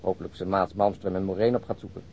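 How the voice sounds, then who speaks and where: A man's voice: fairly even intonation, fast talker, gravelly, a little mellow. A man acting a weary, grumbling policeman in a Dutch radio drama, down-to-earth and exasperated. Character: weary, grumbling but practical male policeman. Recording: dull, rumbling, noisy lo-fi recording.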